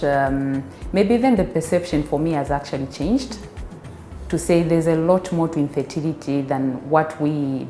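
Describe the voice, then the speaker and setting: Low-voiced Zambian woman, hesitant. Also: mellow. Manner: hesitant, many fillers and restarts. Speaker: biomedical scientist giving a testimonial. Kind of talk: filmed testimonial interview. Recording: echoey room with faint music.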